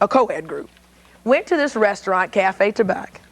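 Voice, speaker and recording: There is noticeable background noise in this clip. Over it, a woman talks. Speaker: talk show host. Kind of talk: talk show hosting. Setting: TV studio.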